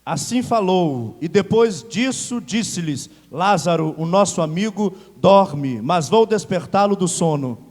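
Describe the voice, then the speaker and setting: Guy reading bible verses slow, high voice, echoey hall, sounds a bit far off. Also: expressive, darkish tone. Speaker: scripture reader. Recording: reverberant church hall from a distance.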